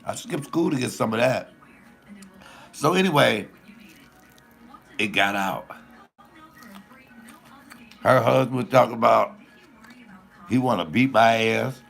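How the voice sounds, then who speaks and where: A man with a deep voice telling a profane, animated comic story in casual storytelling style, laughing at his own jokes. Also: slow, creaky, long pauses, faint music behind. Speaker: comedian host.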